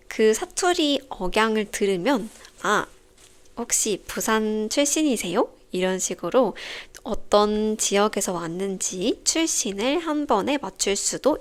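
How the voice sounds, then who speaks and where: Calm young woman teaching slowly. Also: mid-range voice. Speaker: Korean teacher podcast host. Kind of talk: slow scripted explainer for learners.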